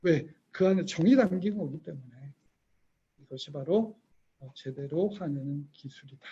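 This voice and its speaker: A man's voice: fairly high pitch, normal speed, dark tone, slightly rough, muffled recording. A man teaching an online parenting lecture, telling stories, acting out quoted voices and quizzing his listeners. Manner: storytelling, acts out quoted voices, quizzes the audience.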